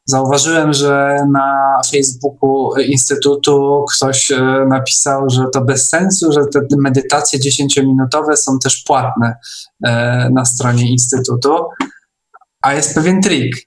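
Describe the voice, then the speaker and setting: Guy hosting an online meetup, mid-pitched voice, casual and a bit halting. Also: little pitch movement. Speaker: online meeting host. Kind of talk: casual unscripted talk with hesitations.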